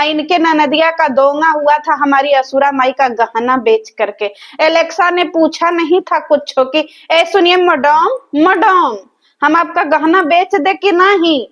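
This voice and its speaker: A woman, hosting a reaction video and roasting the people in it in a mocking, sarcastic, scolding way. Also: high-pitched. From rural village in north India.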